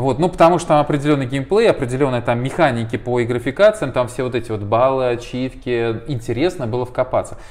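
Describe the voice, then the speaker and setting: A man talks at a fairly quick pace with a medium pitch and ordinary pitch variation, over noticeable background noise. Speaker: podcast host. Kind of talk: casual chat.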